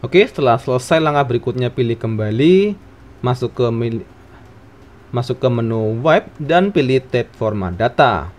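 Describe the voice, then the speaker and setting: A man's voice: mid-range voice, lively intonation, moderate pace. Man narrating a step-by-step tutorial.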